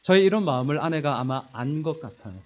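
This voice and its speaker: A middle-aged man preaching a sermon, telling a self-mocking story with lively humor and acting out the voices in it. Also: on the high side, quick pace, highs cut off. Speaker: pastor. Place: church sanctuary.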